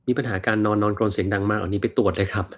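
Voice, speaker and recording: A man in his thirties hosting a casual livestream Q&A, reading viewer comments and answering in a relaxed, chatty way full of fillers. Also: lowish voice, very fast, breathy edge. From Thailand. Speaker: doctor and livestream host.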